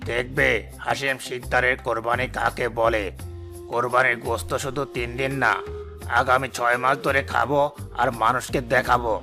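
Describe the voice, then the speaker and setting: Brief: brash, bragging rich villager for a cartoon; bright, forceful, mid-pitched voice. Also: male voice, level tone, moderate pace, soft background music. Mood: boastful. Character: boastful wealthy middle-aged village man, show-off. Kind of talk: cartoon voice acting.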